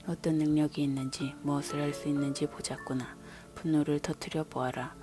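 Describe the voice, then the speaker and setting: A woman's voice: low voice, lightly acted. A woman whispering God's challenging questions. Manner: unvoiced whisper. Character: almighty God questioning a man. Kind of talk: whispered scripture reading. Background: soft background music.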